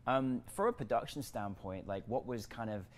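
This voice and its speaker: A man interviewing a filmmaker, warm and halting, often restarting and repeating words. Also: medium pitch. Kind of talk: casual interview.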